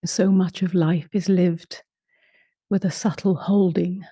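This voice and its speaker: A woman leading a guided meditation in a soft, slow voice, humming between phrases and often trailing into a whisper. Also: on the low side, fairly even intonation, husky, no room sound. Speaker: meditation teacher.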